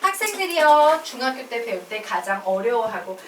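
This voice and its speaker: A woman math teacher lecturing in a high, sing-song voice, asking her class questions and answering them herself. The sound is picked up from a distance in an echoey room, with clear background noise. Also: moderate pace. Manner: animated, asks and answers her own questions.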